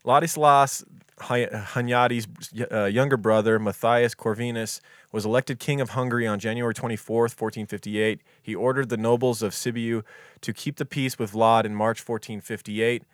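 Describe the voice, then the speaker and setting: A man co-hosting a true crime podcast reads history from his notes in a casual, offhand way, reciting dates and quotes, stumbling on foreign names, and swearing casually. His mid-range voice is steady at normal speed, recorded in studio quality with no echo.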